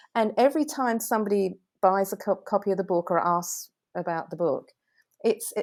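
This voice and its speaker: The recording is very clean, with a silent background. The speaker keeps a moderate pace. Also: woman. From London, England. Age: 60s. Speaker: author. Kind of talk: interview. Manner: energetic.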